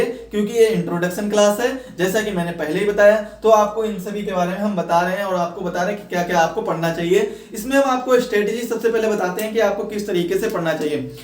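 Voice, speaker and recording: A man teaching an exam class, repeating and explaining points and posing questions that he then answers. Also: sits high. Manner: repetitive, explanatory, poses questions and answers them. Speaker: online exam coaching teacher. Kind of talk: instructional lecture to students. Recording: echoey room, distant microphone.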